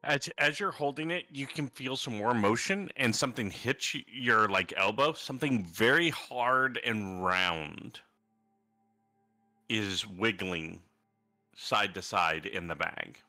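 Very bright, forceful male game master. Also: fairly low pitch, takes it slowly, faint music behind. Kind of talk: improvised tabletop game narration.

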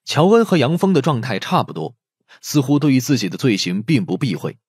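Male audiobook narrator, expressive and husky. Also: mid-range voice, a little fast, no room sound, studio quality. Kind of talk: scripted story narration.

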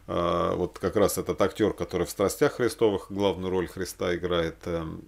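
A man speaking casually and ramblingly as he recommends things to watch, halting and repeating himself for emphasis. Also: low-pitched, steady tone, creaky. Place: small room indoors.

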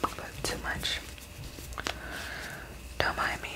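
A woman in her twenties whispering breathily in an ASMR personal attention roleplay, often softly repeating words. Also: very slow. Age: 20s. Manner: soft repetition of words. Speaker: ASMR roleplay host as facial therapist. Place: small indoor room.

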